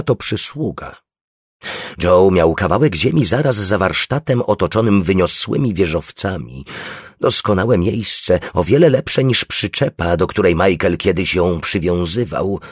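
A man narrating an audiobook in a slow, measured reading voice, with a slightly husky tone. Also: low voice, no room sound, studio quality.

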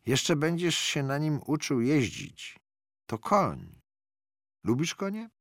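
A man reading an audiobook, voicing a calm, caring older grandfather who is a retired colonel, speaking gently and reassuringly. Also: a little high, takes it slowly, no room sound, clean studio sound, pitched above the performer's own voice, exaggerated voice. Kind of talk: audiobook character voice.

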